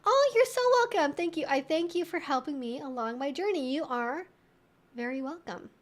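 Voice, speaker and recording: Female streamer, high-pitched voice, informal and wry, reacting aloud to viewer messages. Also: expressive, normal speed. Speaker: livestream host answering viewer chat. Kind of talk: casual livestream chat.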